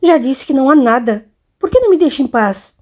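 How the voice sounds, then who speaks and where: A sulky, restless young son in an audiobook, voiced by a woman reader, giving curt, defensive answers in a somewhat high, warm voice. He sounds bored and on edge. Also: moderate pace. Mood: irritated.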